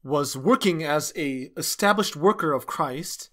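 Male sermon interpreter, slightly high-pitched, halting phrase-by-phrase preaching delivery. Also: animated, fairly bright tone. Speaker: interpreter dubbing a pastor's sermon.

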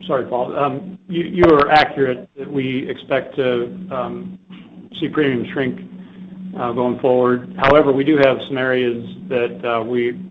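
A man, an insurance executive, giving a steady answer with fillers on an earnings conference call. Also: medium pitch, unhurried. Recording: tinny phone line with faint hiss.

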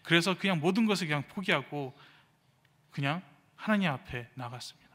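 A young man, an evangelist, giving a sermon with a personal testimony, telling his story with animated delivery and acting out the speech of others, recorded in a church sanctuary. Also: fairly high pitch. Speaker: evangelist preaching. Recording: reverberant church hall.

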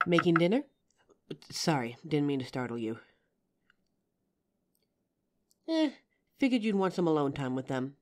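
Protective female bodyguard, played by a woman, flirtatious and caring. Deep register, animated intonation, audio drama intimacy. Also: brisk. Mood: gentle concern. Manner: gentle, teasing, reassuring.

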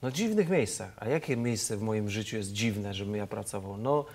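A man's voice: on the low side, lively intonation, moderate pace, a little mellow, slight background noise. A man, a football expert on a TV studio show, telling an anecdote animatedly and acting out the quotes.

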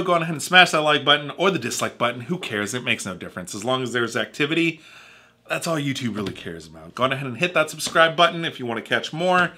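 Animated, bright-voiced man vlogging. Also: on the high side. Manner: animated, jokey, gestures widely with his hands. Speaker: home renovation YouTuber. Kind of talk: scripted advice talk to camera. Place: small home studio room with posters.

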